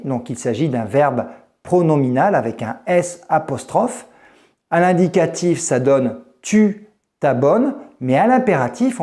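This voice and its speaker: A man teaching French, talking the viewer through grammar with slow, deliberate explanations and carefully stressed example words. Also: a little high. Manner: slow, deliberate, lively intonation.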